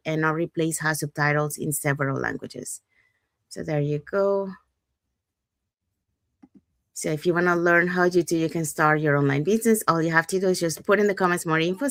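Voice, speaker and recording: Low-pitched woman. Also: dry recording, clean studio sound. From Panama. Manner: upbeat, repetitive inviting tone. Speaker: co-host. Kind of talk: scripted show promotion.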